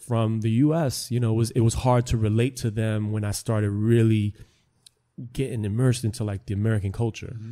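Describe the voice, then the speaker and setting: Spoken in a New York accent at a fairly quick pace, the voice stays monotone and flat. Its tone is dark and mellow. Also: man. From Queens, New York. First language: Spanish. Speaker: podcast guest. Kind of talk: interview. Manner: casual, many fillers and repetitions.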